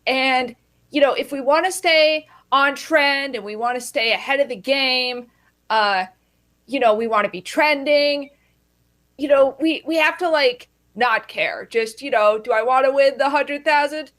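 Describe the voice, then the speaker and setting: High-voiced rambling woman. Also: a little slow, fairly bright tone. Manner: rambling, hedging, many you-knows. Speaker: improv performer playing a judge. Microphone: video call.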